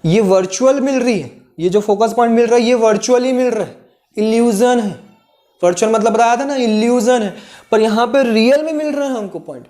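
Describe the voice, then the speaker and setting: Very high-pitched yet a little mellow, a man briskly teaches physics in a classroom, mixing English terms into his Hindi. He breaks each explanation into steps, repeats the key phrases, and keeps asking students if they get it.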